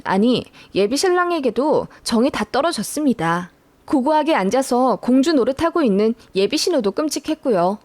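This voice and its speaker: A woman narrating a listener's story in the first person, expressive and indignant. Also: fairly high pitch, no room sound.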